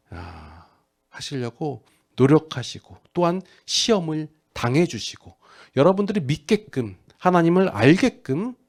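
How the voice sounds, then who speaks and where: A middle-aged male pastor giving a conversational sermon, acting out quoted lines and building to loud, emphatic peaks. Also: medium pitch.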